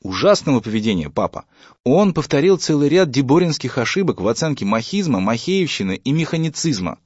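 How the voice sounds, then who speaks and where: A man's voice: mid-range voice, very animated, fairly quick, a little mellow, slightly rough, dry recording, highs cut off, voice pushed up. A man reading a story, voicing a dogmatic schoolboy who lectures his father. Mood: lecturing. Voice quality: preachy, self-assured lecturing tone.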